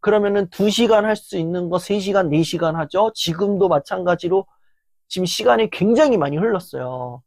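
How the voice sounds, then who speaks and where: An earnest motivational lecturer whose voice has gone tired after a long filming session, speaking in a dry, close sound. They talk steadily at a middling pitch and act out inner voices in sudden loud bursts. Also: normal speed, no echo. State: voice worn down after hours of filming.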